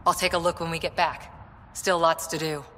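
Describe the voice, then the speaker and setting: A determined soldier lieutenant. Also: female voice, deep voice, flat delivery, normal speed, a little hiss or hum. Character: tough female military lieutenant, driven and loyal. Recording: game audio with soft music behind.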